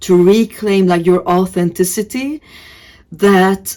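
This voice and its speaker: A woman speaks at a very slow pace with a non-native accent. Her pitch is medium and her tone dark and mellow. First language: not English. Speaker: tarot reader. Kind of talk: tarot reading. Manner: casual, halting.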